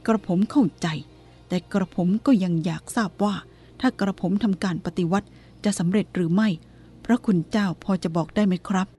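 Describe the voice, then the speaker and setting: Nervous polite minister guy, woman reading him, deferential, mellow tone. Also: mid-range voice, normal speed, breathy edge, soft background music, natural voice. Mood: anxious. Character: deferential anxious male government minister.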